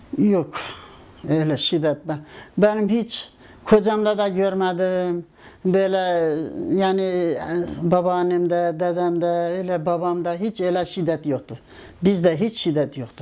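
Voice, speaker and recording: A woman speaks very slowly at a fairly low pitch with ordinary pitch variation and long, frequent pauses. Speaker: grandmother interviewee. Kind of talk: oral history interview answer. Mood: calm reminiscing. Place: home room. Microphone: lapel.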